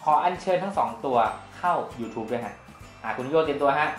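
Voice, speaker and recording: A man hosting a casual phone comparison in a phone shop, chatty and animated as he hypes results. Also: medium pitch, a little fast. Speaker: tech review host. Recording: echoey room with faint music.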